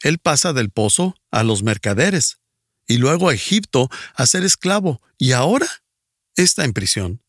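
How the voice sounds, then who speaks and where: A man's voice: medium pitch, very animated, normal speed, no room sound, studio quality. A man preaching a sermon emphatically, his voice rising sharply on exclamations. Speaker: pastor.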